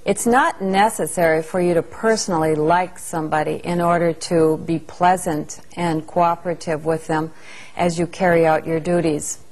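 A woman with a somewhat low voice narrates a training lesson. Her delivery is calm and measured, like a scripted instructional video.

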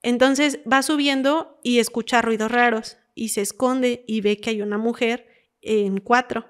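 A young woman with a Mexican Spanish accent and a smooth, clear voice, pitched a little high for a woman. She tells her stories in an animated way and acts out frightened callers as she quotes them. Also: measured pace. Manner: animated storyteller, quotes callers with dramatic whispers and pleas. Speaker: former emergency call operator. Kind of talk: conversational storytelling.

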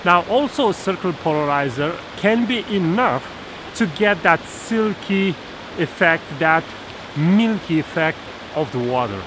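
A man in his thirties delivers an animated photography lesson to his camera, holding it at arm's length beside a snow-covered forest stream. His slightly high voice moves step by step, full of fillers and restarts, and the low-quality outdoor recording carries the stream's rushing water.

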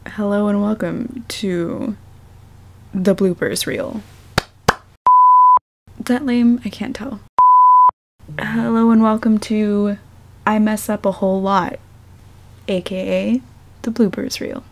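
A young woman speaking softly and unhurriedly, as an amateur reader of her own fiction. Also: medium pitch, fairly even intonation, slow, long pauses, background noise. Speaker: fan fiction author and podfic reader. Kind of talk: audiobook-style story narration, then casual self-conscious chat.

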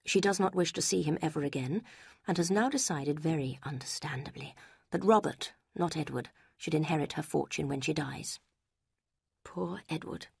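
A pompous, self-important gentleman from a storybook reading, put on by a woman narrator. He talks gravely in a lowered, breathy half-whisper. The sound is husky and dry. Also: moderate pace, no echo, heavily acted. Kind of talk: audiobook character reading.

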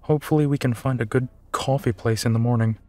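A man's voice: mid-range voice, steady tone, fast, darkish tone, lightly acted. A man playing a big, tired, protective werewolf detective in an intimate, conversational audio drama, with a musing, sighing manner. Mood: gentle, tired. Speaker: voice actor in audio roleplay.

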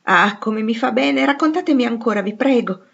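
A woman reading the part of a shy, courteous teenage boy in a storybook, polite and gently teasing. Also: medium pitch, a little fast, slightly rough, lo-fi sound, lightly acted.

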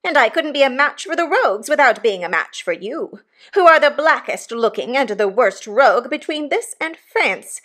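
Shrill, scolding shrew. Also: female voice, big pitch swings, moderate pace, few pauses. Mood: raging. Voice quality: shrieking, shrill. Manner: scolding, theatrically indignant. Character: violent shrewish married woman, scolding and easily enraged.

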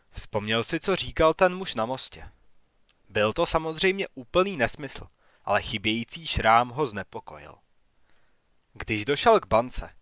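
A man narrating an audiobook in a calm, even storytelling manner on a close mic. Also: medium pitch, no echo.

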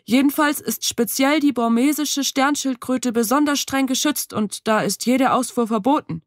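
A woman's voice: sits high, normal speed, dry recording, voice pushed up, lightly acted. A woman voicing a fidgety young man who explains too much. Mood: explaining. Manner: hesitant, then explaining at length. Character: young man, nervous know-it-all friend. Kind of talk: audiobook dialogue reading. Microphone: close studio mic. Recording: dry studio.

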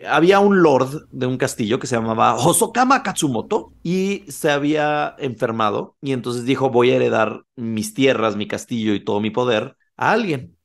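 Man, podcast co-host, casual horror storytelling, gravelly voice, acts out quotes. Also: mid-range voice. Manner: animated, acts out quoted lines.

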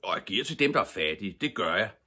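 A man voicing a proud, loud robber chief father in a storybook reading. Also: fairly low pitch, lively intonation, husky, exaggerated voice. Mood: earnest proud.

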